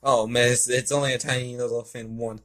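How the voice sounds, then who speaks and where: A man's voice: medium pitch, flat delivery, normal speed, fairly bright tone, lightly acted. A fawning waiter played by a man reading a story, polite and insistent. He speaks in a mid-range voice and keeps coaxing his diner.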